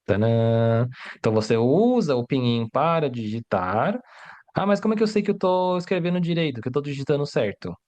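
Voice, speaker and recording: A man teaching a language during a livestream lesson. He explains step by step, keeps asking rhetorical questions and checks in with his viewers. His voice sits at an ordinary middle pitch. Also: expressive, brisk, darkish tone, lo-fi sound. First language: Mandarin. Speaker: Mandarin teacher.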